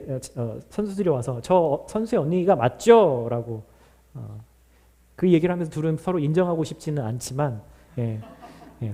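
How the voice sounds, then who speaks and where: A middle-aged male pastor preaching in a church, his voice sitting a little high for a man yet dark and mellow in tone. He speaks conversationally and tells his stories with frequent hesitant fillers. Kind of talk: sermon with prayer. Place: church sanctuary.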